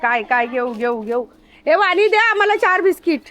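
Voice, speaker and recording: A woman's voice: high voice, very animated, moderate pace, a bit bright. A woman vlogging outdoors, chatting casually and coaxing animals along the street. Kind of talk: casual outdoor vlog chat.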